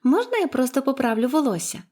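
A bubbly, talkative little orphan girl who gushes eagerly, pitched well above an ordinary grown-up voice, as a woman reads her aloud. She is from a storybook. Her voice is high and bright, bouncing along with delight. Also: big pitch swings, quick pace. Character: cheerful chatty young orphan girl.

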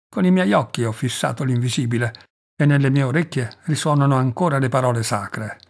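A man's voice: mid-range voice, breathy edge. A man reading as a proud old tribal chief. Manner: declamatory, proud oratory. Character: aged tribal chief, boastful proud warrior.

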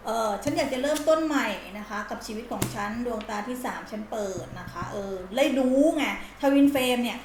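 A woman's voice: fairly high pitch, a little mellow, a little hiss or hum. A woman doing a casual tarot reading, speaking bluntly and in slang as she dramatically acts out the listener's feelings. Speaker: tarot reader. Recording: roomy echo.

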